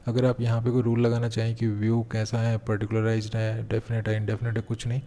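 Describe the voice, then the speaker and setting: A male English teacher giving an exam-prep grammar lesson, explaining step by step and slowing down to read example sentences aloud. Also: fairly low pitch, monotone, warm tone.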